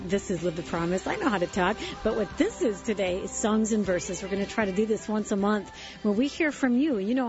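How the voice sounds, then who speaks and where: A woman hosting a Christian call-in radio show, talking in an upbeat, encouraging way; she has a low voice and is coming down with a cold. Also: lo-fi sound. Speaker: radio host.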